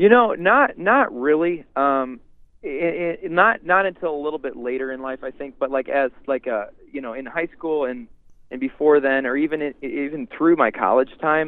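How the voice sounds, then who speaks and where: A man with an American accent talks at a moderate pace in a fairly high pitch, with ordinary pitch variation and big swings in loudness. It is an unremarkable speaking voice. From Rockford, Illinois. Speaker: singer-songwriter. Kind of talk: interview.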